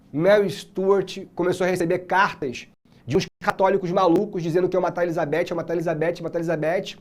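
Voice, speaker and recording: Slangy Brazilian male teacher, high voice. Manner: slangy, animated storytelling. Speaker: history teacher. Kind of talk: casual exam-prep lecture.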